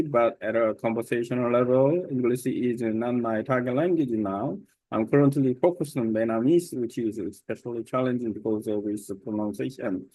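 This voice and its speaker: A man's voice: medium pitch, a little mellow, dry recording, rough recording. Man with a Korean accent reading aloud. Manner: careful, deliberate reading with small slips. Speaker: language learner sharing his study method. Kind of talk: reading a prepared text aloud.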